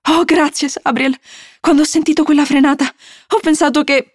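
A woman voicing an excitable young schoolgirl who talks in a high, breathless rush and stammers when frightened. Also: normal speed, no room sound, studio quality, natural voice. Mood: relieved.

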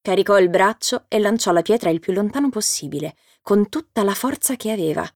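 A woman narrating a children's storybook in a steady, clear reading voice. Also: medium pitch, brisk, no room sound, studio quality.

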